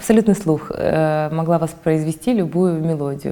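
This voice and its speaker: With noticeable background noise behind her, a woman talks at a moderate pace in a very deep, low pitch with ordinary pitch variation. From Georgia, then Kazakhstan. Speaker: opera singer. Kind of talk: interview. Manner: hesitant, many fillers.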